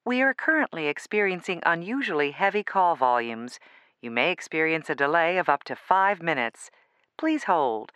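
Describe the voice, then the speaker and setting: Low, smooth female phone menu voice. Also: fairly bright tone, no echo. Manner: formal, clearly enunciated customer service delivery. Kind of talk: scripted automated phone menu voice.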